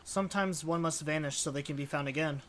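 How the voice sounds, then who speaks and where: A man acting out a cryptic, ominous companion in a horror visual novel, with measured, dramatic delivery. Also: a little high, fairly bright tone, a little hiss or hum, lightly acted. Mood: calm, cryptic. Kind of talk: reading visual novel dialogue.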